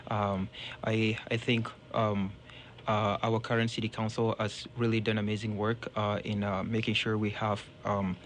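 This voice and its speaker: Young man, low flat voice, hesitant radio candidate with faint noise behind. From Ethiopia. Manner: halting, many fillers. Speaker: city council candidate.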